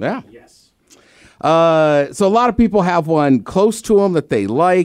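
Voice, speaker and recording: A man with an American accent and a normal speaking voice, fairly high in pitch, lively intonation, moderate pace, dry, close sound with no echo. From Washington D.C. area. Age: 40s. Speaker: radio host. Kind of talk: casual chat.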